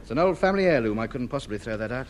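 The actor's medium-pitched voice races along, animated and lightly acted, as he plays the blustering, grandiloquent lead of a 1950s radio sitcom. His character is a pompous, self-important middle-aged junk hoarder. The old broadcast is noisy.

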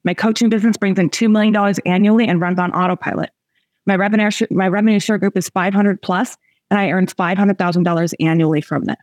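A woman's voice: mid-range voice, fairly even intonation, quick pace, darkish tone, dry recording. A woman in her forties giving a motivational coaching talk to a group, chatty and emphatic, laughing often and speaking straight to her listeners. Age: 40s. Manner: chatty, laughing, emphatic, addresses audience directly. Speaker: coach and host.

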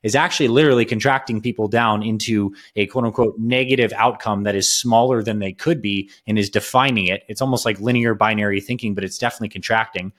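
Lower-voiced male podcast host, musing. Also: steady tone, fast, few pauses, a bit bright. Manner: thoughtful, musing questions with "like" fillers. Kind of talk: casual podcast interview.

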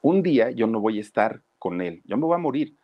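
A man's voice: mid-range voice, big pitch swings, fairly quick, dull audio. A man telling it as a stern, determined mother. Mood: firm, pained. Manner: firm and insistent. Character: stern determined mother, middle-aged woman.

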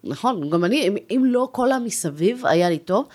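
A woman's voice: mid-range voice, lively intonation, darkish tone. A woman in her thirties, a guest on a casual podcast interview, telling her story in an enthusiastic, chatty way. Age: 30s.

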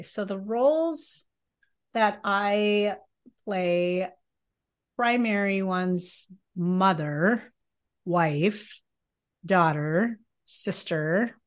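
A woman in her fifties from Minnesota with a Minnesota accent, chatting casually as a podcast guest, laughing often and restarting phrases. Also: medium pitch. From Minnesota, USA. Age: 50s. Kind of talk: casual interview conversation.

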